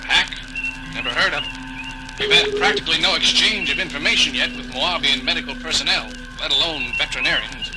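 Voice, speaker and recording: An actor playing a harried, plain-spoken starship doctor in a 1970s audio drama. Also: male voice, a little high, a little fast, natural voice, rough recording. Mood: harried, skeptical. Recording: 1979 children's vinyl record, music behind.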